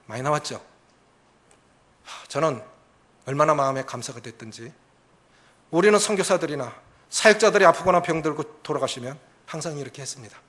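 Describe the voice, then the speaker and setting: A man preaching a sermon in a church, animated, acting out angry prayers and leading the congregation in repeating lines. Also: on the high side, fairly quick, pauses often. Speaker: pastor. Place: church sanctuary.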